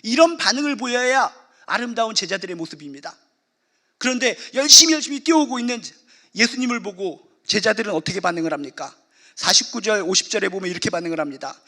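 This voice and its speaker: A man's voice: high-pitched, animated, fast talker, pushed and bright. A male pastor preaching a sermon emphatically, repeating key phrases for effect.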